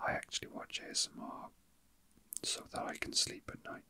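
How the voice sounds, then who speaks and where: This is a male ASMR host whispering breathily and softly at close range. The style is loose and unscripted, and he delivers it in a halting manner.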